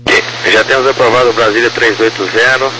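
A man's voice: medium pitch, fairly even intonation, a little fast. A Brazilian man working as an air traffic controller, giving formal, clipped procedural callouts over radio. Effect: radio transmission.

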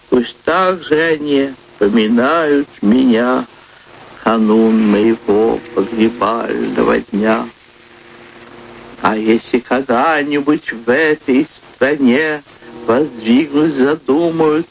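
A man reciting verse in a solemn, dramatic style, with grave and deliberate phrasing. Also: medium pitch, slight background noise, low-quality recording.

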